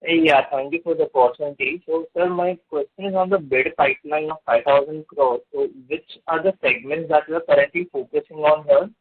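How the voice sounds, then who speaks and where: A man's voice: on the high side, a little fast, hardly any pauses, breathy edge. A man with an Indian accent, an analyst calling in to put polite questions on an earnings call. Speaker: investment analyst caller. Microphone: telephone. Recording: narrow phone line.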